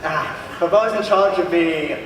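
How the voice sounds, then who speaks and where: High-voiced man in a loud, echoing crowd. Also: measured pace. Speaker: audience member asking questions. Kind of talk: casual audience question. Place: large indoor convention panel room. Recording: echoey hall, distant, loud crowd.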